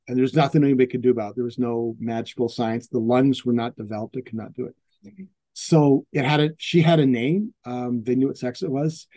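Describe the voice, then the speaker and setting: Male photographer, mellow tone, dry close sound, chatty storyteller who acts out the voices of the people he quotes. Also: medium pitch, no room sound. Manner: animated, acts out quoted voices, restarts often. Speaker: portrait photographer telling client stories. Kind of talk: casual storytelling in an interview.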